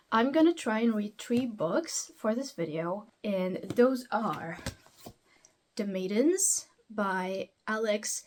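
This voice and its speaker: A woman's voice: medium pitch, darkish tone. A young woman, a book vlogger talking casually at home, chatty and rambling, often questioning herself aloud.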